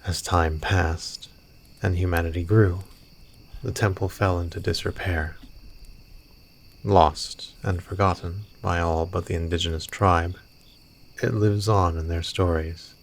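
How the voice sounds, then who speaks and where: Deep, slow, gravelly male storyteller. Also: fairly even intonation. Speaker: narrator. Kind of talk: scripted fantasy storytelling narration. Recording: noisy, with cricket and insect ambience.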